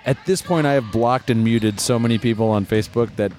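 A man co-hosting a comedic podcast, calling a game with deadpan, mock-solemn commentary from courtside in a gym. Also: medium pitch, brisk, over music. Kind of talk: improvised comedic play-by-play. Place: indoor gym.

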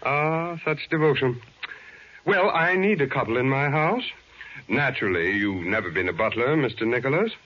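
An actor playing a smooth-talking, imperious, genteel male crime boss in a 1940s radio drama, deliberate and condescending. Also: mid-range voice, animated, natural voice. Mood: condescending, suave. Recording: dull vintage 1940s radio recording.

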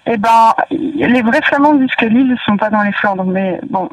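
A woman from northern France, a guest in a casual interview, talking hesitantly with many pauses and fillers. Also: mid-range voice, far from the mic, a loud crowd, poor audio.

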